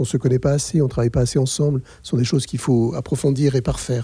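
A man talks very fast in a medium-pitched voice with a dark, mellow tone and a somewhat breathy quality. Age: 50s. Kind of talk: interview. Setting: office. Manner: halting.

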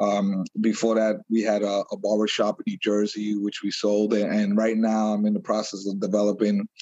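With a New York accent, a man speaks at a fairly low pitch in a dark, mellow tone, keeping a moderate pace, monotone flat intonation, very even loudness and hardly any pauses. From New York City, Brooklyn. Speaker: police detective sergeant. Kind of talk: casual interview.

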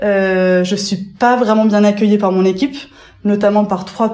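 In a room with audible echo, a woman speaks at medium pitch and a fairly slow pace. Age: 30s. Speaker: Buddhist practitioner sharing her story. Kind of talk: testimony. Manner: hesitant, many fillers.

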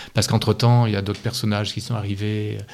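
Somewhat breathy and fairly low-pitched, a man speaks at a fairly quick pace. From Auvergne, France. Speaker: children's author. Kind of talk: interview. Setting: at home. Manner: halting.

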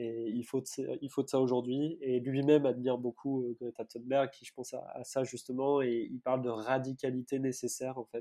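The voice has a dark, mellow tone and monotone, flat intonation, delivered at a moderate pace in a dry, close sound with no echo. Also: man, medium pitch for a man. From Marseille, southern France. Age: 30s. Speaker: food startup co-founder. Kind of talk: casual interview. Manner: hesitant, many fillers and repetitions.

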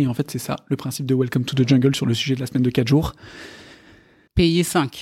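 In a very clean recording with a silent background, a man talks very fast at a medium pitch with a dark, mellow tone. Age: 30s. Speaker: head of sales. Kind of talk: interview.

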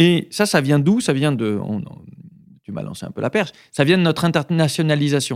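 The speech moves at a moderate pace with lively intonation and long, frequent pauses. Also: man, fairly high pitch for a man. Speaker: startup co-founder and CEO. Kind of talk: interview.

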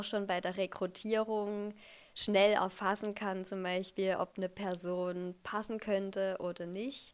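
Speaking at a very slow pace, a woman keeps a medium pitch in a monotone, flat intonation. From Saxony, Germany (Dresden). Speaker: development cooperation worker. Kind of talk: interview. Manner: hesitant fillers.

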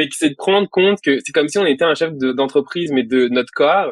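Fairly high male voice, its pitch varying in an ordinary way. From southern France, Saint-Raphaël. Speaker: Reiki master and energy coach. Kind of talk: casual interview.

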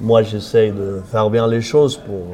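A man talks fairly slowly, and noticeable background noise runs underneath. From Catalonia (Cerdagne). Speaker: ski patroller. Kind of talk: casual interview.

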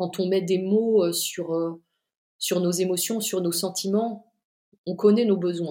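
This woman talks at a very slow pace, leaving long, frequent pauses. Her medium-pitched voice stays monotone, with flat intonation. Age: 40s. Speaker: magazine creator. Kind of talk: casual chat. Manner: halting.

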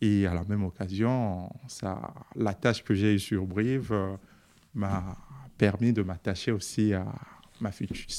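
In a very clean recording with a silent background, a man with a fairly low pitch and a dark, mellow tone speaks at a fairly slow pace with fairly even intonation. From Republic of the Congo (Brazzaville). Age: 30s. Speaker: tech entrepreneur and engineer. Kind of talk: interview.

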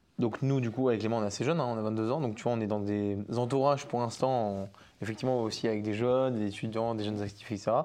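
Talking at a very fast pace, a man uses a medium pitch with fairly even intonation. His tone is dark and mellow. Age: 20s. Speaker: podcast host. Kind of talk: interview. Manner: halting.

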